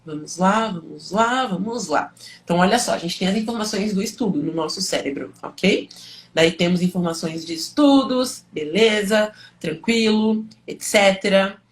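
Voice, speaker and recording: A woman with a Brazilian accent speaks at a medium pitch as she teaches live. She explains things informally, as if chatting with students, often asking a question and answering it herself, with small check-in tags along the way. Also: moderate pace. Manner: conversational and didactic, asks and answers own questions, frequent check-in tags. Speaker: teacher and study coach hosting a livestream.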